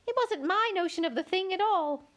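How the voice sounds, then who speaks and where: A woman reading aloud and voicing the White Queen, a flustered, helpless older queen who talks in a high, plaintive, fluttery voice. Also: animated, normal speed, a bit bright.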